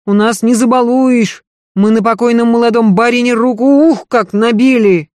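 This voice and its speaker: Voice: medium pitch, fairly even intonation, moderate pace, a little mellow, dry recording, clean studio sound, voice pushed up, close to an everyday voice. A narrator voicing a bossy old peasant servant woman who scolds and grumbles in a folksy, raised voice. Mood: scolding.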